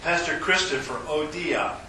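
A pastor reading names of the departed and the communion liturgy in a slow, solemn way, with a cathedral echo. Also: male voice, a little high, noisy background. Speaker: pastor leading worship. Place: large church sanctuary. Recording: distant mic in a cavernous echoing church, organ music.

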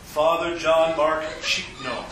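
A pastor reading names of the departed and the communion liturgy in a slow, solemn way, with a cathedral echo. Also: male voice, fairly high pitch, monotone, heavy background noise. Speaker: pastor leading worship. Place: large church sanctuary. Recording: distant mic in a cavernous echoing church, organ music.

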